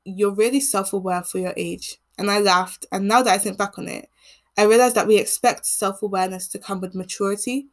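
Young woman, croaky voice, earnest and measured, solo podcast talk, mid-range pitch. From England. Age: teens. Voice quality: croaky voice when speaking long. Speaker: podcast host. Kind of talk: reflective solo monologue.

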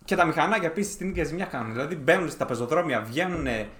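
A man's voice: on the high side, animated, a bit bright. A man co-hosting a podcast, chiming in casually with complaints and sign-off plugs. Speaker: podcast co-host. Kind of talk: casual banter. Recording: echoey room.

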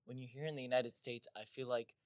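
A man's voice: mid-range voice, steady tone, fast talker, no echo, clean studio sound. A young man from Syria talking as a guest on a casual podcast. He makes his points in a thoughtful way, often hedging with "I feel like".

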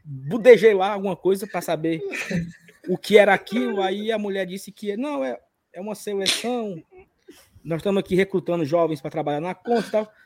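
A man's voice: high voice, a little fast. A man with a Northeastern Brazilian accent from Ceará and an occasional stutter, casually telling personal stories as a podcast host. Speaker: podcast and live stream host.

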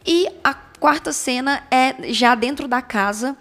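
A woman chats casually about films, speaking animatedly, correcting herself and laughing often. Her voice sits high and she talks a little slowly.

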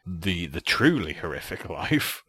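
Host type: deep-voiced animated man, laughing, dry studio sound. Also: unhurried, breathy edge, no room sound. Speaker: interviewer.

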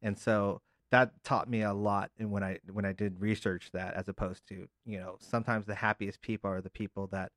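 Low-voiced thoughtful male co-host. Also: little pitch movement, moderate pace, hardly any pauses, fairly bright tone, dry recording. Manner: thoughtful, explains in long rambling sentences. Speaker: podcast co-host. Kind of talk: casual reflective chat.

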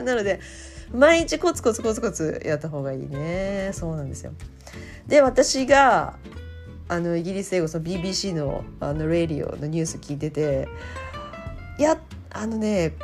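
Japanese-speaking woman just chatting, voice jumps up and down a lot, little laughs, faint guitar underneath. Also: medium pitch. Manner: chatty, laughs often, lots of fillers. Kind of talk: casual chat.

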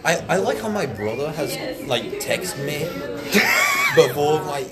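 A man's voice: a little high, expressive, unhurried, loud music behind the voice. A young man teasing and bantering with friends in casual chat. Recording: heavy crowd noise behind.

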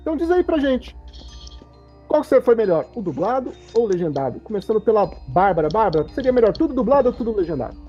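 A woman's voice: a little high, very animated, quick pace, slightly rough. A woman hosting a casual livestream chat in Brazilian Portuguese, reading viewer comments aloud and putting questions to her co-hosts. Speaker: host. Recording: dull lo-fi stream audio with faint music.

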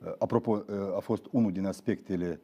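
A man's voice: low-pitched, fairly even intonation, dark tone, husky, muffled recording. A man arguing as a guest on a studio political debate, combative, numbering his points with frequent fillers. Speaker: talk show guest, former deputy.

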